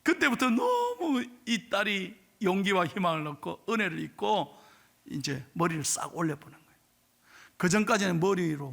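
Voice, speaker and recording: A middle-aged male pastor telling a story in a sermon, swinging from hushed whispers to loud exhortation. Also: high voice, creaky, slightly rough.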